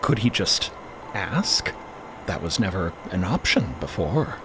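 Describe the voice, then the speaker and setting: A man's voice: low-pitched, very animated, slow, noisy background. A man narrating scripted audio fiction in a dramatic storytelling style.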